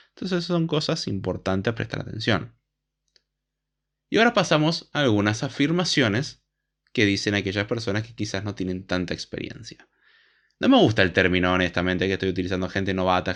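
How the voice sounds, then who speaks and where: Low-voiced Argentine man explaining casually. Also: a bit bright. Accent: Argentine Spanish. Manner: conversational, frank, explains with everyday comparisons. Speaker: programming educator.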